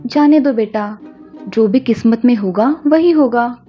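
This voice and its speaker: A woman's voice: a little high, unhurried, dull audio, faint music behind, natural voice. A woman voicing a hardworking, worried village mother in a cartoon, speaking earnestly. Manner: earnest and pleading.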